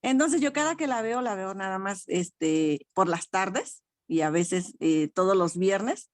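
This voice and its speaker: A woman's voice: medium pitch, a little slow, no echo, clean studio sound. An older woman with a Mexican accent, sharing a personal spiritual testimony in a frank, self-deprecating way and laughing often. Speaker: study group participant.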